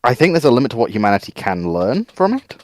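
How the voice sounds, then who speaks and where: A man taking part in a casual analytical discussion, reasoning in a measured, sceptical way. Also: medium pitch, big pitch swings, no room sound, soft background music. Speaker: discussion panelist.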